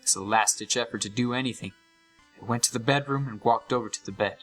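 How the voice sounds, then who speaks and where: A man's voice: mid-range voice, fast talker, a bit bright, faint music behind, natural voice, low-quality recording. A young man playing an uneasy gamer who narrates a scripted horror story with dramatic, suspenseful delivery. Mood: uneasy, reflective. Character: uneasy young male gamer recounting a haunted game.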